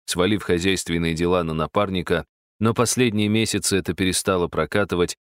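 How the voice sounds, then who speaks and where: Brief: male audiobook narrator, deep, measured and wry, dry studio sound. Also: steady tone, no echo.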